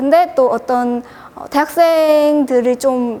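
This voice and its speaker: Against noticeable background noise, a woman speaks at a very slow pace and a high pitch with ordinary pitch variation. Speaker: activist. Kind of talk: lecture. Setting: forum with online livestream.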